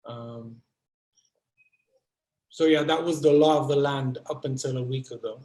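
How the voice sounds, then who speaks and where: Guy calmly explaining stuff on a video call, mid pitch, kinda roomy echoey sound. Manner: measured, explanatory, with some fillers. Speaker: theatre director, guest. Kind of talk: conversational interview over video call.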